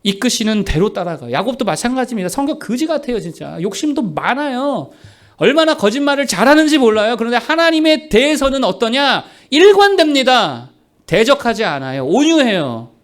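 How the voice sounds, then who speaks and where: A male pastor delivers a sermon in a church, his voice set high and swinging widely in pitch. He preaches with animation and acts out the voices of the people he quotes. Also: sing-song, fairly quick. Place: church sanctuary.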